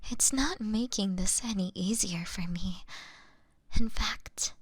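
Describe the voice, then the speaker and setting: Woman acting as a slow, breathy female vampire. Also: mid-range voice, no room sound. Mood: tempted, apologetic. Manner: slow, breathy, often whispering, formal wording. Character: gentle, apologetic female vampire struggling with bloodlust. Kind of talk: intimate scripted roleplay audio drama.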